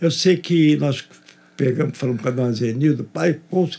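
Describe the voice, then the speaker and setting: Using lively intonation and vocal fry, a man with a fairly high pitch talks at a fairly slow pace. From Rio de Janeiro, Brazil. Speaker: church deacon. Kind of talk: casual interview chat.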